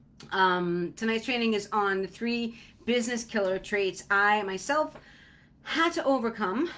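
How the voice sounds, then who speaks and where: A woman with a Boston accent, fairly high pitch, lively intonation and a bright, sharp, animated tone. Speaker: cleaning business coach. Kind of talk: live webinar training. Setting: livestream. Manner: chatty, animated.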